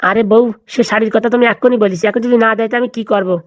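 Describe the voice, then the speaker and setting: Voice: mid-range voice, fairly even intonation, rapid-fire, no room sound, natural voice. A performer playing a meek, henpecked priest husband in a comedy cartoon, pleading and placating. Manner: pleading, placating, mildly grumbling.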